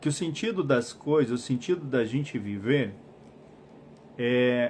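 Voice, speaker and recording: A soft-spoken man at a fairly slow pace, with lively intonation. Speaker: spiritual self-help speaker. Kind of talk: live-stream talk. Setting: Instagram live stream. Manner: halting.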